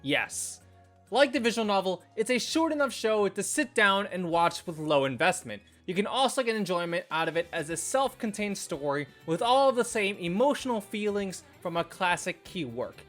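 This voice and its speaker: A man's voice: high voice, animated, normal speed, fairly bright tone. A man reading a scripted anime video review as a reviewer, with music playing behind him. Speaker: anime and visual novel reviewer. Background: background music.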